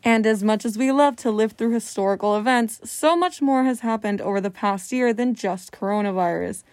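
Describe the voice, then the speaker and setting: A woman's voice: on the high side, normal speed, darkish tone, no echo, studio quality. A young woman presenting scripted news as a radio host.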